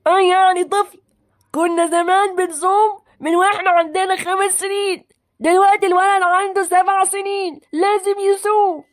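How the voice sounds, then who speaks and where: A woman's voice: extremely high pitch, level tone, moderate pace. A woman voicing a stern, old-fashioned male schoolteacher who speaks with an Egyptian accent and a blustering, strict manner in a cartoon. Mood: defensive. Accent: Egyptian Arabic.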